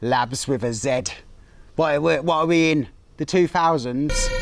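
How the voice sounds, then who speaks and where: Over music in the background, a man with a strong British accent speaks at medium pitch and a fairly slow pace. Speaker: product reviewer and actor. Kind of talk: casual product review. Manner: deliberately slow.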